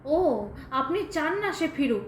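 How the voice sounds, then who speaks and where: A woman playing a dignified, distressed woman who refuses a suitor in an audio drama, speaking with halting emotion and formal politeness. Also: high voice, sing-song, heavily acted. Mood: bitter, accusing. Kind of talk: Bengali audio drama acting. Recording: roomy echo, faint background noise.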